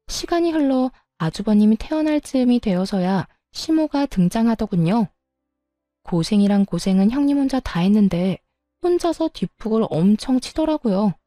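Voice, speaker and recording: A woman's voice: mid-range voice, warm tone, dry recording, studio quality. A woman narrating a revenge story in a chatty, confiding tone.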